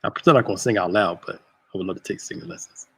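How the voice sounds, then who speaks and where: A man in his thirties with a husky, slightly rough voice hosts a relaxed chat show. He jokes easily and keeps greeting viewers as they arrive, chatty and informal. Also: fairly low pitch, fast talker. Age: 30s. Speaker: host. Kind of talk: casual livestream chat.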